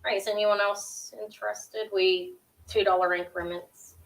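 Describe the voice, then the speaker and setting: A middle-aged woman with a sharp, high-pitched voice runs a live jewelry auction into her webcam at home. She talks quickly and loosely, filling gaps with ums and self-corrections as she chats with viewers. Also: little pitch movement, poor audio. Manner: quick, scattered, chatty with frequent ums and restarts. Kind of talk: casual live-stream selling. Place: small home room with shelves of jewelry displays.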